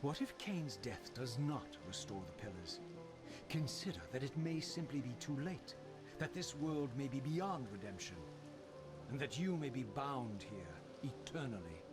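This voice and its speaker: An actor playing an eloquent, bitterly accusing undead wraith in a video game, with formal, theatrical, deliberate diction. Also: male voice, medium pitch, animated, lightly acted. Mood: ominous. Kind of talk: dramatic video game narration and dialogue. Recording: music behind the voice.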